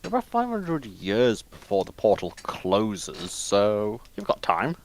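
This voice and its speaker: A man chatting casually as a panelist, phrasing his thoughts in a halting, thoughtful way. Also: lowish voice, wildly swooping pitch, slight background noise.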